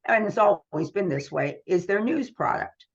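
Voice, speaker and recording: A woman's voice: mid-range voice, expressive, moderate pace, gravelly, slightly rough, lo-fi sound. A middle-aged American woman speaking as a guest in a conversational interview, explaining things earnestly. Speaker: radio trade magazine publisher, interview guest.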